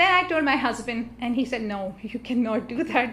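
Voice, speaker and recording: A woman with a Pakistani accent talks at a fairly quick pace in a high pitch with ordinary pitch variation, amid noticeable background noise and audible room echo. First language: Urdu. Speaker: panel speaker. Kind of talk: panel talk. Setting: church with audience. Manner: halting.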